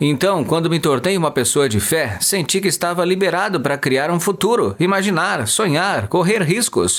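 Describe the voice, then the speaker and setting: A man's high pitch and lively intonation at very even loudness, with noticeable background noise. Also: moderate pace, hardly any pauses. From El Salvador, then US. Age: 60s. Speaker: pastor. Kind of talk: interview.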